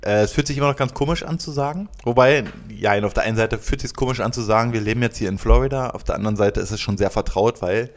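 A man's voice: medium pitch, fast talker, few pauses. A man in his late thirties from Berlin, co-hosting a casual podcast, joking and hesitating with many fillers and restarts. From Berlin, Germany. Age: 30s. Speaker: podcast co-host. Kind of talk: casual chat.

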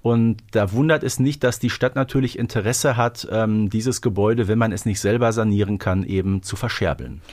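A man's voice: on the low side, steady tone, normal speed, hardly any pauses, a little mellow, dry recording. A man co-hosting a podcast, chatting casually as he explains a story. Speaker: podcast co-host. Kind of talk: casual chat recapping an episode.

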